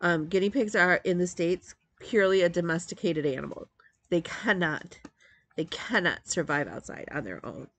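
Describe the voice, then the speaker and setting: A woman's voice: fairly low pitch, animated, normal speed, a bit bright. A woman in her forties with a congested, nasal voice, chatting casually to a webcam at home, rambling with many ums and restarts. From Metro Detroit, Michigan. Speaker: crafting vlogger. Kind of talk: casual chat to camera. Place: home craft room, indoors. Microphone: webcam at desk.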